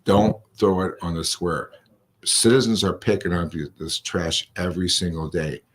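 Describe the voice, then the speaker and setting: Really deep husky guy, police chief on a radio interview, halting, repeats himself for emphasis. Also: steady tone.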